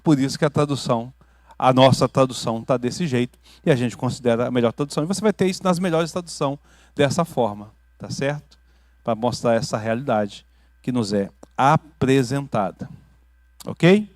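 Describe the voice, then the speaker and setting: A Brazilian man preaching a teaching sermon as pastor, building to loud emphatic peaks and dropping to quiet asides, often checking in with his listeners. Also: medium pitch, moderate pace, dry recording. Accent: Brazilian Portuguese. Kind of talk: teaching sermon with questions to the congregation. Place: church hall.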